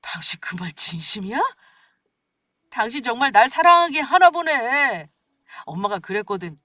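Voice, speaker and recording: A sheepish husband who stammers and begs, as a woman reader voices him. The voice sits fairly high and swings up and down, heard dry and from a step back from the microphone in a storybook-style audio drama. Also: sing-song, moderate pace, sharp tone, dry recording, exaggerated voice. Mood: smug. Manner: stammering, pleading. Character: sheepish scheming adult husband, man. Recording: dry, distant from mic.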